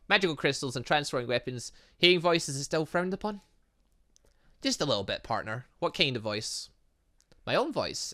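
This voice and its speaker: A man's voice: medium pitch, pushed and bright. A man playing through a story game, reading its dialogue aloud with casual asides and often stumbling and correcting himself. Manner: stumbles over words when reading, self-correcting. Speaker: gaming video host.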